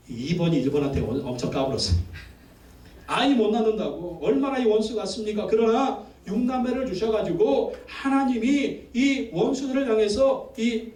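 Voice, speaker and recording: A man's voice: high voice, darkish tone. A male pastor delivering an emphatic sermon, building call-and-response lists and repeated phrases. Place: church sanctuary. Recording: echoey church from a distance.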